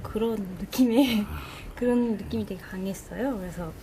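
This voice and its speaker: A woman's voice: mid-range voice, normal speed. A woman being interviewed as an experiment participant, speaking hesitantly and searching for words. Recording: noisy background.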